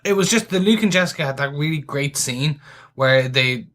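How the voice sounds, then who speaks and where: A man with a bright, forceful voice co-hosts a casual podcast review. He speaks earnestly and keeps restarting his sentences. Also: on the high side, lively intonation, moderate pace. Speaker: podcast co-host.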